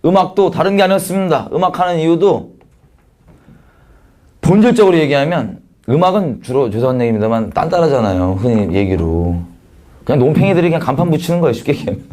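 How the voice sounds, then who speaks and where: Frank, lively-storytelling missionary man. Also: on the high side, fast talker. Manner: lively storytelling, acts out quoted voices; frank, colloquial, self-mocking. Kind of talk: personal testimony sermon.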